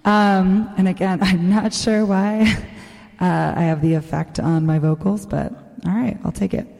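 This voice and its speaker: A woman's voice: mid-range voice, fairly even intonation, unhurried, vocal fry, dark tone. A woman hosting a casual radio chat, her voice caught in an accidental cave-like reverb effect, talking with lots of ums and restarts. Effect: accidental cavernous reverb on her mic. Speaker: radio show host. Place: community radio studio. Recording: echoey cave-like reverb on studio mic.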